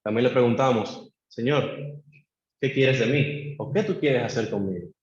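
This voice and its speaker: Man preaching in an echoey church. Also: measured pace. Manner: acts out a believer's pleading prayers to God; leads the congregation in call-and-response. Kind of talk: sermon. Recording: echoey church room, dull low-fi sound.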